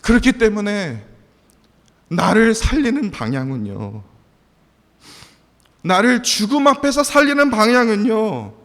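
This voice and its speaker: A male pastor preaching a sermon with passion, dropping to a hush and then rising loud, putting questions to his congregation and answering them himself. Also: high-pitched, very animated, a little slow, pauses often. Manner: impassioned, swings from hushed to loud. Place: church sanctuary. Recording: long church reverb.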